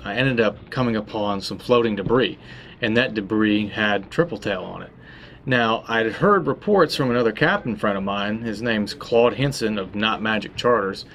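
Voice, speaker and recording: Laid-back guy talking fishing at a shop desk, kinda low voice, lots of uhs, bit of background hiss. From Florida. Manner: relaxed and conversational, with many uh fillers and restarts. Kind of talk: casual fishing how-to talk. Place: tackle shop, indoors.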